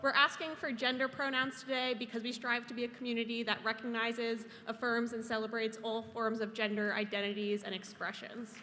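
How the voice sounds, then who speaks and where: A woman's voice: on the high side, level tone, a little fast, few pauses, pushed and bright. A young woman from Maine, a college senior, moderating a youth panel in a friendly, informal way. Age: young adult. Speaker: forum moderator. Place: convention hall. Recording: hall reverb, faint noise.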